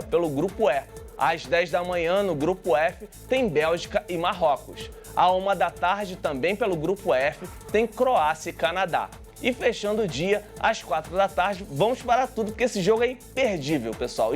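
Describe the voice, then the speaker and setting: Brief: male TV sports reporter, high-pitched, chatty, light music under. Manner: chatty asides to viewers.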